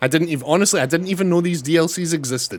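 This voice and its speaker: A man speaks fairly quickly with a Scottish accent. His pitch varies in an ordinary way. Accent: mild Scottish. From Scotland. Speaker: video game streamer. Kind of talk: casual gameplay livestream chat. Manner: animated.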